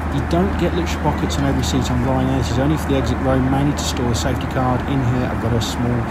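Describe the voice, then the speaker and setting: Loud background noise fills the clip. Over it, a man speaks at a very fast pace. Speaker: travel reviewer. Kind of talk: tutorial. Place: plane. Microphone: phone near.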